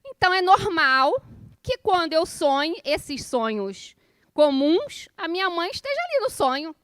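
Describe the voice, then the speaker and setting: A woman in her forties with a Rio Brazilian accent teaches a class informally. Her voice sits high and is picked up dry and close, with very little room in it. She talks colloquially, like someone telling personal stories, and keeps turning to her listeners with questions and small checks for agreement. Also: big pitch swings, measured pace, fairly bright tone, no room sound. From Rio de Janeiro, Brazil. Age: 40s. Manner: conversational, colloquial, personal storytelling. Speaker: spiritist course lecturer.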